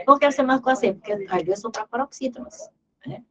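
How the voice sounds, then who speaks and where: A woman's voice: a little high, fast talker, bright, forceful tone, highs cut off. A woman teaching an exam review lesson in Portuguese grammar, emphatic and repeating key words as she drills terms aloud.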